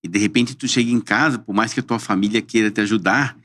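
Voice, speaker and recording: Low-voiced, earnest guest. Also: male voice, steady tone, a bit bright. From southern Brazil. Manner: measured, earnest, often says "perfeitamente". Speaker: interview guest. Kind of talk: interview chat.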